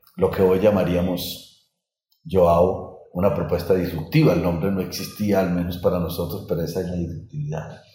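Audible room echo surrounds a man with a very deep, low voice. He keeps a moderate pace and fairly even intonation. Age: 50s. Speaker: popular educator and former insurgent. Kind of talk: interview.

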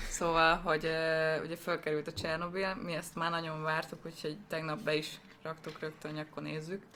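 With hardly any pauses, a man speaks in a bright, sharp, fairly high voice with monotone, flat intonation. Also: moderate pace. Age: 30s. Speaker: podcast co-host. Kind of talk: casual chat.

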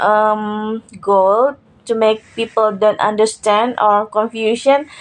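This voice has an Indonesian accent. The pace is very slow. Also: woman. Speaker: podcast host. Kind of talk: solo podcast monologue. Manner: halting.

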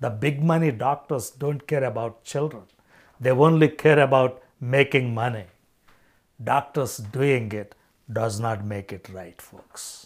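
On a very clean recording with a silent background, a man with a normal speaking voice talks fairly slowly at a medium pitch, with ordinary pitch variation and big swings in loudness. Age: 40s. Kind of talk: monologue commentary on a listener question.

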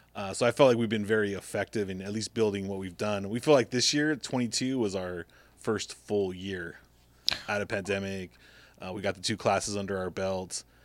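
This man has an unremarkable speaking voice, fairly low in pitch, with an American accent. He talks at a fairly quick pace with fairly even intonation, in a very clean recording with a silent background. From Ventura County, California. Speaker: retired police officer and charity head. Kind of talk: interview.

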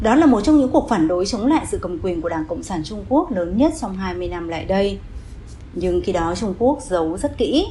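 The voice races at a very fast pace with very wide pitch swings. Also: woman, medium pitch for a woman. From Hanoi, Vietnam. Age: 40s. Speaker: panel guest, citizen commentator. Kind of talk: panel discussion.

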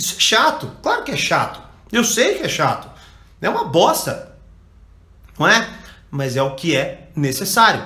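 With a Brazilian accent, a man speaks in an animated tone at a moderate pace. There is noticeable background noise. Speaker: online self-help coach and livestreamer. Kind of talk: angry, swearing rant about self-improvement, live monologue. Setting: livestream, talking to viewers. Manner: animated, blunt, emphatic; profane, sarcastic, scolding.

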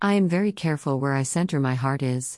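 With a dark, mellow tone and a very deep, low pitch, a woman speaks fairly quickly with lively intonation. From Philippines. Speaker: housewife and student. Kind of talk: personal essay read aloud.

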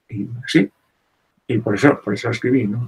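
A man speaks at a medium pitch with fairly even intonation. Vocal fry runs through his voice. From Spanish Morocco (Tangier, Ifni). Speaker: literary translator. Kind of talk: interview. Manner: halting, many repetitions and fillers.

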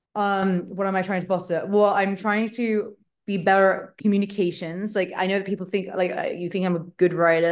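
With an English accent, the speaker's intonation stays fairly even. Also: woman. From England. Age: 30s. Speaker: venture capitalist. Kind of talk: casual chat. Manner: halting.

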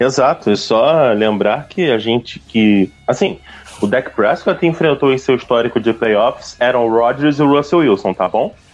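A man with an unremarkable speaking voice talks at a fairly slow pace and medium pitch. His intonation is lively and his loudness very even. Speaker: sports podcast panelist. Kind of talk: casual chat.

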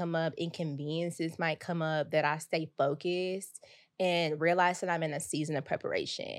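Very clean recording with a silent background. A woman with an American accent speaks in a fairly low pitch. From US South. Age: 20s. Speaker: podcast host. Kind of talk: casual chat. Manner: animated.

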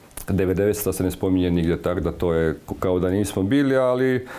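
This man has a dark, mellow tone, a fairly low pitch and ordinary pitch variation. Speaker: war veteran. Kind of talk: interview testimony.

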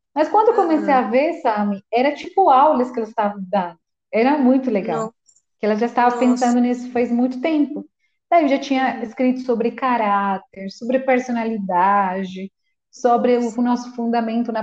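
A high-pitched woman with ordinary pitch variation. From Colombia. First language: Spanish (speaking Portuguese). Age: 30s. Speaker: psychologist. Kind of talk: casual interview.

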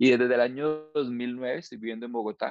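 This is a man speaking at a medium pitch. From Colombia, Valle del Cauca. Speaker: marketing professor. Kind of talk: interview conversation.

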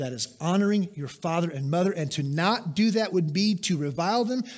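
Using an ordinary speaking voice, a man talks at a fairly quick pace and fairly high pitch with lively intonation. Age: 40s. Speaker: pastor. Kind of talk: sermon. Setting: church.

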